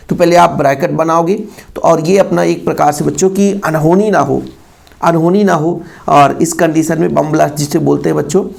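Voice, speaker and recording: A male teacher giving an exam-prep lesson to students, with a gravelly voice and an Indian accent when he reads English, repeating phrases and asking rhetorical questions. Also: fairly high pitch, darkish tone.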